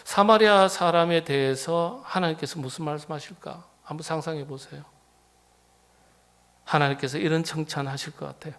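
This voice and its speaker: A middle-aged man preaching a sermon as pastor. He is dramatic and rhetorical, often questioning the congregation and swinging from loud emphasis to hushed near-whispers. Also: a little high, moderate pace.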